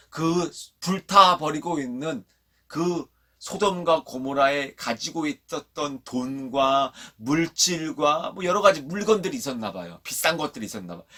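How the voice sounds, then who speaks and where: A man preaching a children's sermon, telling a Bible story in a lively way, asking the kids questions and having them repeat lines after him. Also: fairly high pitch. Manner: animated storyteller. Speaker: children's pastor.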